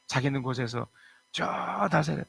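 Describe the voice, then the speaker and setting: A man's voice: a little high, expressive, measured pace, gravelly, a bit bright, breathy edge, rough recording. A man preaching a church sermon as pastor, reading scripture verses aloud and retelling a parable in earnest.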